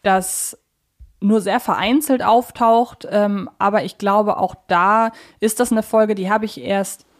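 A woman's voice: medium pitch, steady tone, takes it slowly. A woman co-hosting a podcast, discussing things casually and conversationally with emphatic wording. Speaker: podcast co-host.

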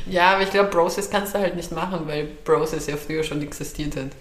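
Brief: young female podcast co-host, low-pitched, loose and chatty, roomy echo. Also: steady tone, fast. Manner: chatty, laughing, swearing casually. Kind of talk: casual chat.

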